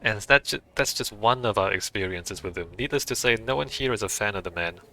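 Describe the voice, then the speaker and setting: A man's voice: lowish voice, fairly quick, bright, forceful tone, low-quality recording. A man voicing a weary, put-upon male hotel waiter who gossips in a confiding way.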